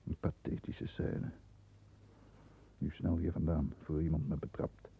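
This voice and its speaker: Deep, gravelly, stern lawyer. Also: male voice, little pitch movement, mellow, full character voice. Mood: brooding, uneasy. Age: middle-aged. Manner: formal, measured diction. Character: stern, proud male lawyer protecting the family name. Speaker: actor in a radio drama. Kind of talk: 1960s Dutch radio play acting, first-person narration and dialogue. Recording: muffled, thin 1960s radio recording.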